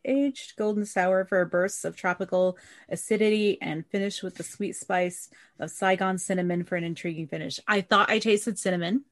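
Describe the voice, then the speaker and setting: An upbeat woman hosts a relaxed podcast, her voice sitting in a middle pitch. She keeps the conversation moving along with friendly prompts. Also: moderate pace, few pauses. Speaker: podcast host. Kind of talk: casual chat.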